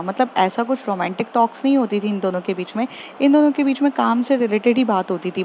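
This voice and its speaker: Woman storyteller narrating casually, chatty and rambly, fairly high voice, slightly muffled with a faint hiss. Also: a little mellow. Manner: chatty, with many fillers and restarts.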